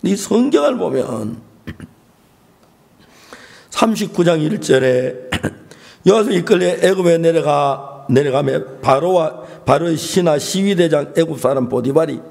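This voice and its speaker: A man preaching a sermon in church as pastor, telling stories and acting out the voices in them, often clearing his throat. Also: fairly high pitch, lively intonation, a little slow, a little mellow. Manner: storytelling, acting out the voices of the people in his story.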